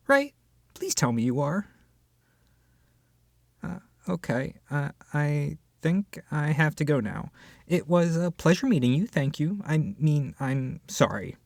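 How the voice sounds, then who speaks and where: A husky, creaky voice acts out one side of a scripted roleplay conversation as an opinionated, easily flustered book club member. The delivery is expressive and hesitant, dropping into sighs and whispered asides. The sound is dry and close. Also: mid-range voice, no echo. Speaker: ASMR roleplay voice actor.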